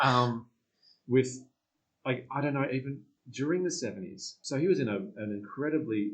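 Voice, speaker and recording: Speaking in a New Zealand accent, a man uses lively intonation at a medium pitch. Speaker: podcast guest discussing films. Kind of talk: casual chat.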